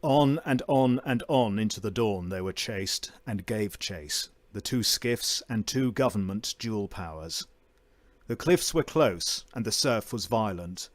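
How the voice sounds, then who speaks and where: A man narrates a short story in a fairly low voice. His delivery is theatrical and emphatic, shaped like a voice-over performance. The recording is close and dry, with very little room sound. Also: lively intonation, measured pace, no room sound. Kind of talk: dramatic fiction narration.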